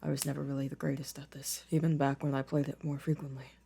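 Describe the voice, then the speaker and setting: A man playing a gentle, introspective boyfriend in an intimate ASMR roleplay, soft-spoken with careful, formal wording. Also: medium pitch, little pitch movement, quick pace, vocal fry, a little hiss or hum, natural voice. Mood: modest, chatty. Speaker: audio roleplay voice actor.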